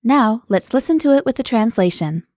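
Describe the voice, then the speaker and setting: A woman hosting a language lesson, explaining words clearly in an upbeat, scripted way. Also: a little high, lively intonation, brisk, darkish tone, no room sound, studio quality.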